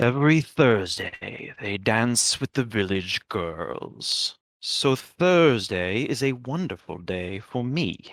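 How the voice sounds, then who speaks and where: Using a put-on character voice, a man speaks at a medium pitch and a very slow pace. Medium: audio drama. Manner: gentle, earnest.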